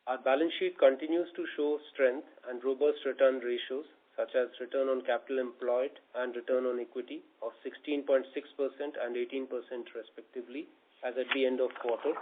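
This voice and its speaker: A man's voice: medium pitch, steady tone, fairly quick. A man with an Indian accent, speaking as a finance chief, formally and methodically reading out financial results on a conference call. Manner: formal, reciting figures methodically. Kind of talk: scripted financial results presentation. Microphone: conference call line. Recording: thin phone-like conference line.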